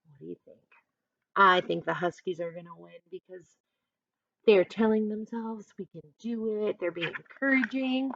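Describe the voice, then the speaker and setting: A woman's voice: medium pitch, moderate pace, creaky, fairly bright tone, no echo, highs cut off. A woman teacher reading a picture book aloud expressively, adding instructive asides and questions for listeners.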